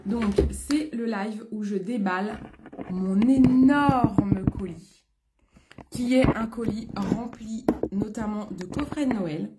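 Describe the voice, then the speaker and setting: A woman's voice: mid-range voice, takes it slowly, heavy background noise. A French woman hosting a casual live stream as a beauty consultant, chatty and greeting viewers by name, with a throat congested from a coming cold. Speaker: beauty consultant selling online.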